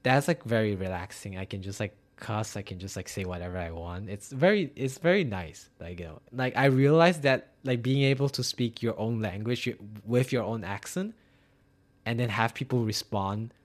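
A young man from Malaysia, a native Chinese speaker, chatting casually as a host, filling his talk with "like" and laughing easily. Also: fairly low pitch. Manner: chatty, filler-heavy, quick to laugh. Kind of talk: casual conversation.

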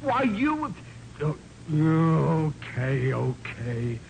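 A grumbling American police sergeant, pitched a little high and swooping with exasperation. He blusters sarcastically in old radio crime drama style, over faint recording noise. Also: sing-song, creaky, a little mellow, heavily acted, low-quality recording. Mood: exasperated. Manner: blustery, sarcastic, halting when flustered. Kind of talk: 1940s radio acting.

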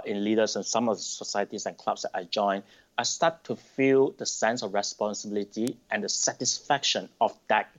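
A middle-aged man from Malaysia, answering interview questions thoughtfully, with pauses and restarts. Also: lowish voice, a bit bright. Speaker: podcast guest. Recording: dull lo-fi sound.

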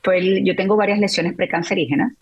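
A woman's voice: mid-range voice, quick pace, slightly rough, lo-fi sound. A middle-aged woman, a guest on an interview show, telling a personal story in an emotional, reflective way and often restarting her sentences.

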